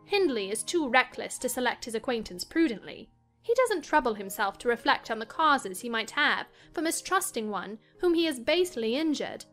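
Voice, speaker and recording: This is a woman acting a willful, excitable young gentlewoman in a dramatized storybook reading. The voice is high and the delivery emphatic and self-assured. Soft music plays underneath. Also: moderate pace. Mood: insistent. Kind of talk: dramatized audiobook reading of a classic novel.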